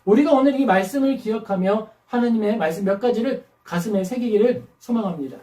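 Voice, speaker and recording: A woman's voice: fairly high pitch, a little fast, warm tone. A woman pastor preaching a sermon emphatically, firing rhetorical questions and acting out quotes. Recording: roomy hall, mic at a distance.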